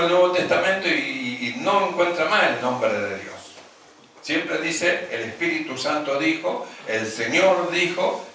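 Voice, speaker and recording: A man's voice: a little high, sharp tone, a little hiss or hum. A male pastor preaching a teaching sermon. He repeats his key phrases and keeps calling the listeners brother. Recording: very echoey room, voice from a distance off the mic.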